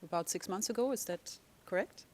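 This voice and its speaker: A lawyer for victims in a courtroom, speaking slowly and deliberately while explaining procedure and questioning a witness. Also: mid-range voice, no echo. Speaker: legal representative of victims.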